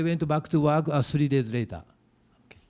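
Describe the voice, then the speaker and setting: A man's voice with a strong Japanese accent, a dark, mellow tone and ordinary pitch variation. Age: 50s. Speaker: spine surgeon. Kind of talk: health talk to seniors. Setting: talk at a mosque with audience. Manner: halting, many fillers.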